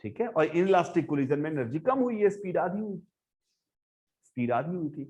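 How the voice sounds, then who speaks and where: A male physics teacher with a slightly high voice lectures in a classroom. He swings between quiet explaining and loud emphasis as he works through problems, speaking straight to his students. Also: brisk. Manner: animated, swings between soft and loud, addresses students directly.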